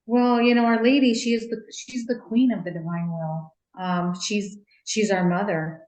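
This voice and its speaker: Gentle nun on an echoey call. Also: female voice, medium pitch, fairly even intonation, normal speed. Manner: gentle, hesitant, with many ums and restarts. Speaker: religious sister. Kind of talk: casual interview answers.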